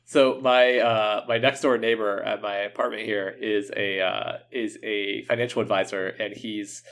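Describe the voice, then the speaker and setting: A man's voice: fairly low pitch, little pitch movement, unhurried, fairly bright tone. A man co-hosting a casual podcast, often hedging and correcting himself, with a joking streak. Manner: hesitant, self-correcting, joking. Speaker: podcast co-host. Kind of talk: casual chat.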